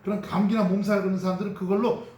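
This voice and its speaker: High-voiced man preaching in an echoey church. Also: rapid-fire, slight background noise. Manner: animated preaching, acting out prayers and quarrels; chuckles often while speaking. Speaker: pastor. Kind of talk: sermon. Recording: roomy echo from a distant mic.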